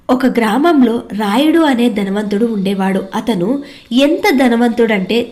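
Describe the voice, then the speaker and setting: Earnest woman telling a devotional story. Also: on the high side. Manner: gentle, earnest, addresses listeners respectfully.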